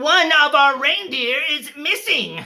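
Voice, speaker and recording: In a put-on character voice, the speaker talks at a fairly slow pace with a high pitch. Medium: read story. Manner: hesitant, fussy.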